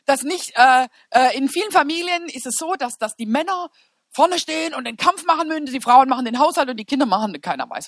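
A woman preacher giving an informal, humorous sermon in an animated, colloquial storytelling manner. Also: high voice, dry recording, clean studio sound.

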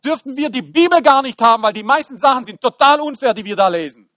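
A man's voice: very high-pitched, fast, no echo, clean studio sound. A man preaching a casual, slangy sermon and telling stories with acted-out voices, talking straight to his listeners. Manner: animated storytelling with acted-out voices; informal, slangy, talks to the listeners directly.

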